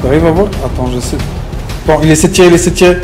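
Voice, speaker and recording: A man's voice: on the high side, rapid-fire, over music. A man streaming online game roleplay in character, brash and slangy, swearing often and repeating a verbal tic. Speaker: streamer playing a GTA roleplay gang member. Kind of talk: in-character gaming roleplay chat.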